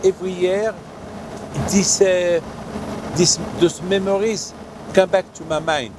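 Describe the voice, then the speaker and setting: An older man from Morocco, a rabbi giving a sermon outdoors in a halting way, with many fillers and restarts. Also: sits high, steady tone, noisy background. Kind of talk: sermon at a holy site.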